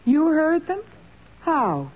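An actress playing a plucky, feisty young detective's assistant, spirited and easily indignant, in a 1940s radio drama. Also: female voice, high voice, huge pitch swings, exaggerated voice. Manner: indignant, spirited, halting when flustered. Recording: narrow-band, faintly noisy 1940s radio recording.

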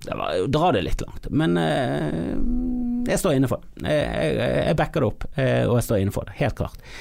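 A comedian from Bergen with a Bergen accent, ranting in a podcast monologue, swinging from loud mock-outrage outbursts to low mutters. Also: male voice, lively intonation, gravelly. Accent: Bergen Norwegian. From Bergen, Norway.

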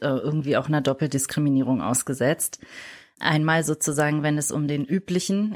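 A woman who grew up in Germany, a podcast interview guest, telling her own story in a reflective way and often pausing to search for words. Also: low voice.

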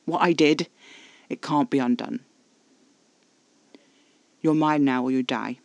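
A man's voice: medium pitch, slow pace, gravelly, dry recording. A man voicing a frustrated, possessive male vampire in a storybook, with formal, exasperated speech. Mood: intense, possessive. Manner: haughty, exasperated, formal wording.

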